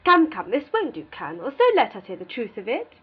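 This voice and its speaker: A woman's voice: on the high side, sing-song, fairly quick, slightly rough, dull audio, exaggerated voice. A woman playing a jovial, teasing older matron who pries insistently in a dramatised classic novel, with exclamations. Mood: teasing, prying.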